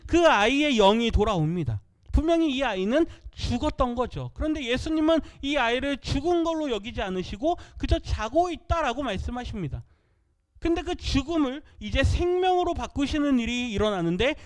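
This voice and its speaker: High-voiced pastor preaching a sermon. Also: male voice. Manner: asks the congregation questions and answers them himself; reads scripture aloud with the congregation. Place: church.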